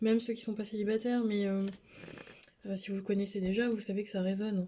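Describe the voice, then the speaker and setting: Soft-spoken and mumbling, a woman rushes along at a very fast pace in a monotone, flat delivery. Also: medium pitch for a woman. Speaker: tarot card reader. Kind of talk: tarot reading video. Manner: soft-spoken, mumbling; hesitant.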